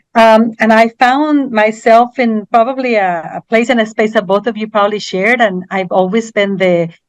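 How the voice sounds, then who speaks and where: With a Spanish accent, the speaker goes on with hardly any pauses in a dry, close sound with no echo. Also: woman, fairly high pitch for a woman, ordinary pitch variation, moderate pace. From Colombia, Bogota. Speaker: university educator, institute co-founder. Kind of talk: interview conversation. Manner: halting with repetitions.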